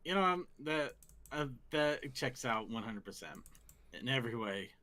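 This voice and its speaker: A man co-hosting a casual live-stream chat, chatty and quick to joke. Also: medium pitch, animated, bright, forceful tone.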